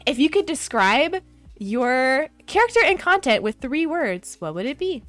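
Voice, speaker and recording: Woman, American accent, young adult, high voice, very lively pitch, bubbly and giggly host, faint music behind. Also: unhurried, no echo. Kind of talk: casual chat.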